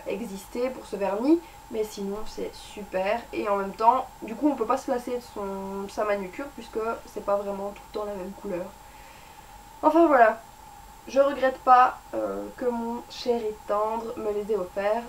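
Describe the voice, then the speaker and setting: A woman's voice: a little high, far from the mic, slight background noise, poor audio. A young woman chatting casually as a beauty vlogger, reviewing her monthly favorites with lots of fillers and restarts, recorded indoors at home.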